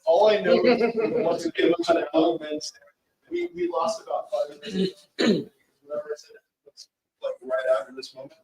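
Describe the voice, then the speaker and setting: A man talking in an animated, rambling way, picked up from a distance off-mic. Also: very high voice, normal speed, creaky. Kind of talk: off-mic chatter in the room. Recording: distant, roomy off-mic pickup.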